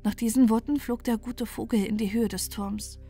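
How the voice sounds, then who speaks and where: A woman narrating a bedtime fairy tale in a soothing, gentle, unhurried and expressive way. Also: a little high, slightly rough. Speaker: storyteller. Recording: music behind the voice.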